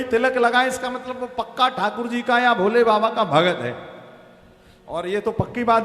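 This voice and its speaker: A man giving a devotional sermon and telling a story, acting out its characters and shouting some of their lines. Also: sits high, roomy sound, long reverb tail. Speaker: preacher. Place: large hall at a live religious gathering.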